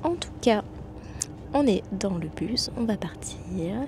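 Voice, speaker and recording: A soft-spoken woman talks in a whisper. Noticeable background noise runs under her voice. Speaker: booktuber vlogger. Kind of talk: casual vlog. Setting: on a bus. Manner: whispering, soft-spoken.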